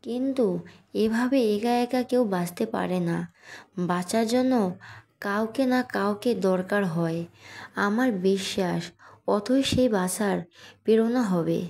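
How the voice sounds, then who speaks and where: A woman voicing a calm, wise father who speaks firmly, in an audio story reading. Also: medium pitch, measured pace, long pauses, lightly acted. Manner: calm and firm.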